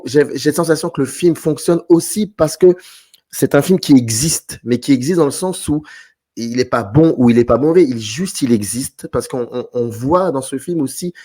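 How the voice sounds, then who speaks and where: A man's voice: mid-range voice, a little mellow. A man from France hosting a casual film discussion, thinking aloud with enthusiasm. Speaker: host.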